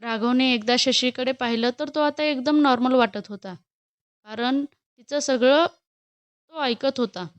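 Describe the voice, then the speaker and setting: A woman reads a romantic story aloud in a steady, expressive way. Her voice sits fairly high and sounds smooth and clear. It is recorded close on a dry mic. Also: unhurried, no echo, highs cut off. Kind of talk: scripted story narration.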